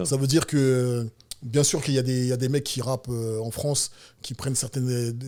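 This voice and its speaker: Fairly even intonation marks a plain, everyday voice. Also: man. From France, Sevran. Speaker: rapper. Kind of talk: interview answer.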